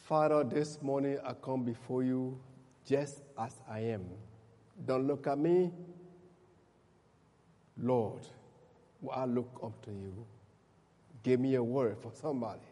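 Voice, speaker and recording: A man from Liberia with a Liberian accent, a pastor praying and giving his testimony, speaking slowly and deliberately. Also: mid-range voice, dark tone. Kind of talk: prayer and testimony sermon. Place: church service. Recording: echoey church hall.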